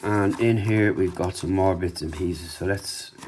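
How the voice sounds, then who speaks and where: A man's voice: sits low, measured pace, very noisy. A man giving a casual, off-the-cuff product review, informally talking through what he is showing. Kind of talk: casual unboxing and review commentary.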